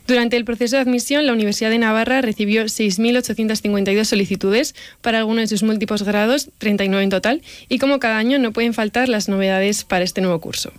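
A young adult woman presenting a scripted radio news report, reading briskly and brightly. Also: on the high side, steady tone, no echo, studio quality.

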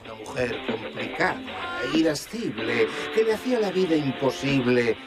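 An actor playing a slick, sensationalist reality TV presenter, narrating dramatically with a Castilian Spanish accent. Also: male voice, mid-range voice, sing-song, moderate pace, natural voice. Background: music.

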